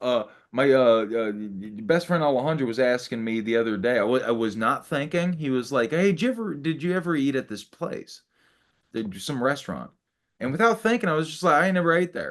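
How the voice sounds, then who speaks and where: Speaking with a Southern US accent, a man uses a fairly high pitch and very wide pitch swings. His pace is fairly quick. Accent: Southern US accent, still noticeable. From US South (Georgia). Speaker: podcast co-host. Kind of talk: casual chat. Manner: animated.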